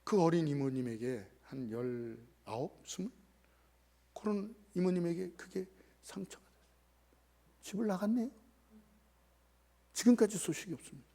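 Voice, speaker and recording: A man's voice: a little high, moderate pace, pauses often. A man, a pastor, preaching a Sunday sermon full of personal stories, acting out the people he quotes. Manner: animated, acts out quoted family members in voices.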